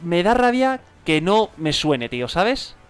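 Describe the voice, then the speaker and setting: A young man with a Spain Spanish accent gives excited, slangy gameplay commentary, repeating himself and laughing often at home. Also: high voice, unhurried, smooth, faint music behind. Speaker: gaming youtuber.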